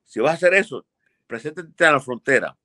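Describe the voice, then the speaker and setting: A man's voice: fairly high pitch, expressive, fairly quick, sharp tone, dry recording, studio quality. An older man, an immigration lawyer, answering viewers' questions emphatically and bluntly over a video call from a home office. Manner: emphatic, blunt, repeats for stress. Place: home office with framed pictures.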